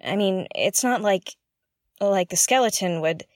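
A woman's voice: mid-range voice, unhurried, no room sound, lightly acted. Actress doing jittery lady space explorer muttering to herself, audio drama, takes her time, really dry close sound. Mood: unsure. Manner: hesitant, exclamatory, muttering to herself. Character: curious, jittery woman explorer alone aboard a derelict spaceship. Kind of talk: audio drama monologue, thinking aloud.

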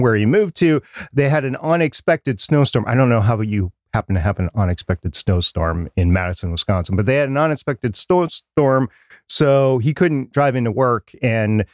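A man's voice: medium pitch, dry recording, clean studio sound. A middle-aged man co-hosting a podcast about podcasting, chatting casually and rambling with frequent restarts. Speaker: podcast co-host.

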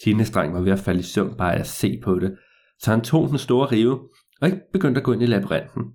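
A man telling a story to listeners in a lively, meandering way, with hesitations and repeats. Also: fairly low pitch.

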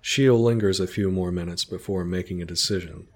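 A man narrating a story in a calm, descriptive way. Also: low-pitched, fairly quick.

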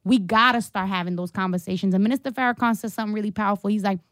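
A woman's voice: mid-range voice, fairly even intonation, very fast, fairly bright tone, dry recording, studio quality. A young adult woman speaking as an activist guest in a casual interview, passionate and emphatic, with slang and swearing.

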